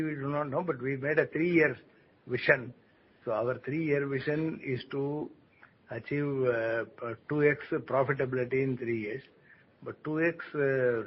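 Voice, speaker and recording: A man answering analysts as a company executive on an earnings call, speaking haltingly and often rephrasing. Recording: muffled conference call line, noisy rumble.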